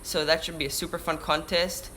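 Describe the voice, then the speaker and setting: An Israeli teenage boy with a Hebrew accent, a surfer vlogger, livestreams from indoors by a window, reading viewer questions aloud and answering chattily while often restarting words mid-sentence. His fairly high, level voice is brisk, pushed and bright, picked up by a camera-mounted shotgun mic with slight background noise.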